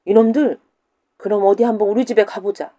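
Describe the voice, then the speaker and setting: A woman voicing an angry middle-aged widow who scolds and shouts at mischievous children, in a folktale audiobook. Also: medium pitch, normal speed, close to an everyday voice. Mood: scolding.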